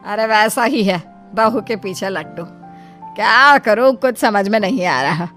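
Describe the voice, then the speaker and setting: A woman's voice: medium pitch, a little slow, a bit bright, soft background music, natural voice. A woman voicing a scheming, jealous middle-aged mother-in-law in a cartoon story, scolding and mocking. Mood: grumbling.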